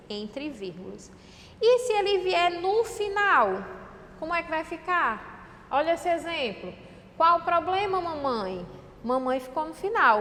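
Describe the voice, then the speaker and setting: Brazilian woman, teacher, high voice, patient step-by-step lecturing, reverberant room, faint hiss. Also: a bit bright. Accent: Brazilian Portuguese. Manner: explains step by step, often checks in with "tá certo?". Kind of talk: online class lecture.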